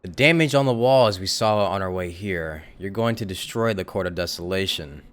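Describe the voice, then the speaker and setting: A man's voice: low voice, normal speed, fairly bright tone, a little hiss or hum. A man giving casual live commentary as a game streamer, informal, blunt and wry.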